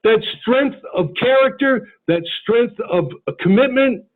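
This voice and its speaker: A man's voice: very high-pitched, expressive, unhurried. A man giving a motivational sales talk, telling stories earnestly and acting out the dialogue. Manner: earnest storytelling, acts out dialogue. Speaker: insurance sales mentor. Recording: tinny phone-like line.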